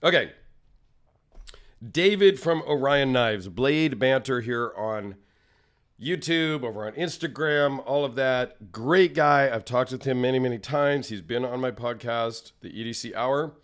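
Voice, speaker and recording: A man talks casually straight to camera, his voice a touch raspy and tired after a long trip. He rambles along in a friendly, self-deprecating way at an ordinary mid pitch. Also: a little slow, fairly bright tone. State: slightly raspy, tired from travel. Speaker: knife channel host. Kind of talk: casual solo vlog.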